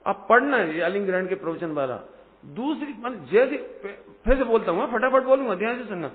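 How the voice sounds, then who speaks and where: Animated man giving a devotional discourse. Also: high voice, fairly quick. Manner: animated, rising to loud emphatic peaks; asks the listeners questions. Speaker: Jain discourse speaker. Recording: phone-like audio in a reverberant hall.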